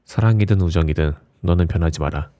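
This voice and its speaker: Deep, mellow man reading softly. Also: quick pace, dry recording. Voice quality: low, mellow voice. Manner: gentle, soothing bedtime delivery. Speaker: audiobook narrator. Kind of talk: soft ASMR audiobook reading of reflective essays.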